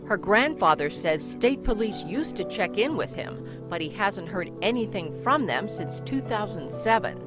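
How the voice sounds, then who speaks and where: Lady news reporter reading her story, steady and measured, music under it. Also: medium pitch. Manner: measured, even news delivery. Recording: news clip with music behind.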